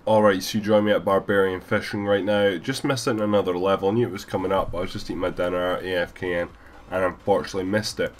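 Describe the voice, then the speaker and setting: A man with a deep voice and a cold, rambling casually through a gameplay voiceover with many fillers. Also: steady tone, quick pace, slight background noise. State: has a cold, stuffy. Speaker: gaming YouTuber.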